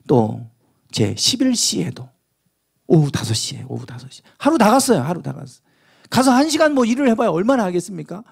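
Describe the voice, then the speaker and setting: A man preaching a sermon as pastor, telling a parable with lively acted-out dialogue. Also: sits high, creaky, husky. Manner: animated storytelling, acting out the parable's dialogue.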